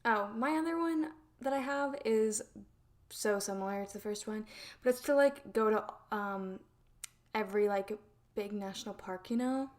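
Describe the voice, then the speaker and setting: Young woman, podcast co-host, upbeat, rambling, casual chat, mid pitch. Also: moderate pace. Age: young adult.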